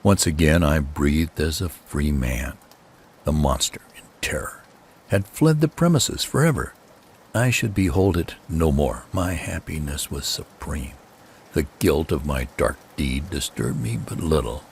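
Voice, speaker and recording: A man narrating a gothic horror tale as a dramatic audiobook, in a measured, theatrical and formal manner. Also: extremely low pitch, creaky. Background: steady ambient noise, rain per title.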